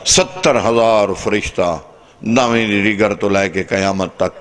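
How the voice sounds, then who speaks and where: A man's voice: on the low side, fairly even intonation, unhurried, fairly bright tone. A man from Pakistan, preaching an impassioned majlis sermon to mourners in a large tent, his voice swinging between dramatic rises and sudden drops. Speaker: zakir preacher at a mourning gathering. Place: large tent with a seated crowd. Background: gathered mourners.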